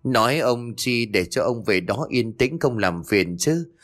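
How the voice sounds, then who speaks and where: A man voicing a sharp-tongued defiant village wife. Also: mid-range voice, expressive, soft background music. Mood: annoyed. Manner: quick, scolding retorts.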